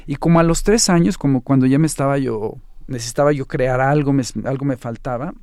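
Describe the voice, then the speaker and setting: A man's voice: medium pitch, fairly quick, a little mellow, clean tone, no echo, clean studio sound. A middle-aged man with a Mexican accent, a choreographer telling his story candidly in an interview. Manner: candid, storytelling, self-correcting. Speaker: ballet choreographer, guest. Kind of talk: reflective interview answers.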